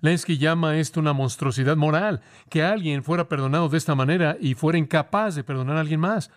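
A male preacher delivering an expository sermon. His voice sits a little high for a man, and he talks slowly and deliberately, stressing key words for emphasis.

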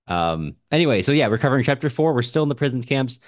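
A man's voice: medium pitch, very animated, fast talker, no room sound, clean studio sound. A man co-hosting a podcast in a casual, conversational style, discussing books and listener comments. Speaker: podcast co-host.

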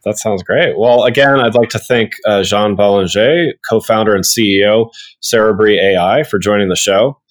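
A man hosting a podcast, thanking his guest and reading a smooth, upbeat outro. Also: fairly low pitch, normal speed. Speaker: podcast host.

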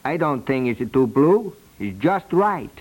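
A man's voice: mid-range voice, very animated, slow, darkish tone. A man playing a stubborn, unimpressed house painter in a 1950s radio comedy, blunt and repetitive. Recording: vintage 1950s radio recording.

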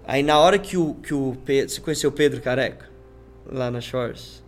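A man, a podcast guest, telling a story in a casual, animated way, full of slang fillers and acted-out dialogue. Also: mid-range voice, normal speed, faint music behind. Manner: slangy, peppers speech with "cara" and "mano"; acts out quoted dialogue in changing voices.

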